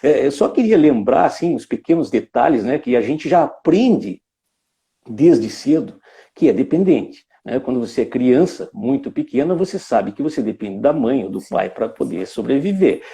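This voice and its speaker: A man's voice: medium pitch, expressive, normal speed, mellow. A man from Brazil giving a reflective live talk, musing aloud with frequent tag questions and restarts. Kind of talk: reflective spoken lecture.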